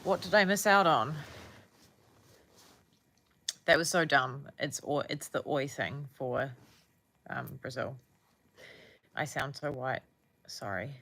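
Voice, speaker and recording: Low-pitched nz-accented woman streaming live, chatty, keeps hunting for words. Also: unhurried, vocal fry, pauses often, fairly bright tone. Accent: New Zealand. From New Zealand. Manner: rambling, searches for words, restarts often. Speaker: livestreamer. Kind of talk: casual livestream chat with viewers.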